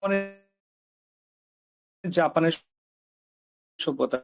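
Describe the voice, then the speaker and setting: A man's voice: fairly high pitch, extremely slow, creaky. Give me a man lecturing over choppy, breaking-up call audio. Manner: casual, keeps checking "okay?". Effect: choppy, breaking-up online call audio. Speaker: exam-prep lecturer. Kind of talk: online class lecture. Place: online class over video call.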